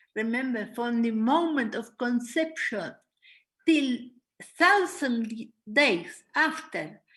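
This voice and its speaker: With an Argentinian accent, a woman speaks at a very slow pace in a high pitch with lively intonation. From Argentina. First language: Spanish. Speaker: student. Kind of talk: symposium discussion. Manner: halting.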